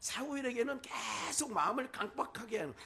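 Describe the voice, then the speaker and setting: A man's voice: extremely high pitch, animated, normal speed, vocal fry, pushed and bright. A male pastor with a Chungcheong Korean accent, preaching a sermon full of rhetorical questions and quoted asides.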